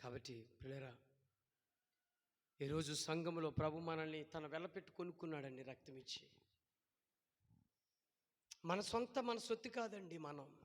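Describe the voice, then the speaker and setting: A pastor preaching a sermon, who keeps asking his congregation questions and shouts at times. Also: fairly high pitch, unhurried, long pauses, in a large hall.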